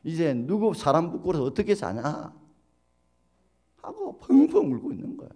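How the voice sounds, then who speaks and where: Pastor, man in his fifties, expressive sermon storyteller, very lively pitch. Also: moderate pace. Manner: animated storytelling, acts out quoted voices with big pitch leaps.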